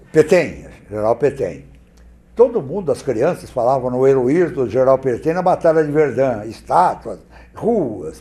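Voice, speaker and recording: A man from Brazil, a guest on a TV talk show, demonstrating oratory in an expressive, theatrical way. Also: medium pitch, reverberant. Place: TV studio.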